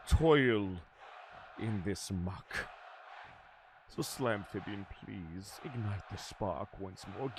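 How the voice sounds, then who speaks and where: Melodramatic wrestling villain, hammy stage actor, menacing, self-pitying, slow drawn-out delivery, audible background noise. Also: male voice, lowish voice. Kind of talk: wrestling promo monologue.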